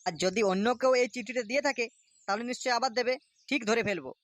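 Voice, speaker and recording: A man's voice: very high-pitched, quick pace, fairly bright tone, no echo. A man voicing a suspicious, grumpy village father in a comedy cartoon, grumbling and accusing coarsely. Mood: sullen, wary. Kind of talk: Bengali comedy cartoon dubbing.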